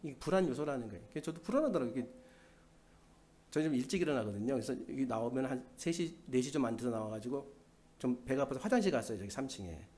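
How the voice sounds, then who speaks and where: A middle-aged man preaching a sermon in a church, asking the congregation questions and answering them himself, with loud bursts and quiet asides. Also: medium pitch, animated, fast. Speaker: pastor. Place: church sanctuary.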